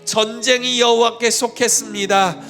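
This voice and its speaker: A man's voice: very high voice, fairly even intonation, normal speed. A man leading fervent congregational prayer as pastor, praying aloud with passion and at times breaking into tongues. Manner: loud impassioned praying, speaking in tongues. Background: guitar music.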